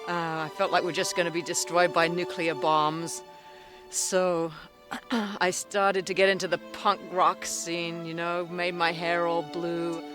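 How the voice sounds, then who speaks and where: A man who teaches wilderness skills, speaking slowly and reflectively in a documentary interview and while teaching. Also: fairly high pitch, little pitch movement, over music.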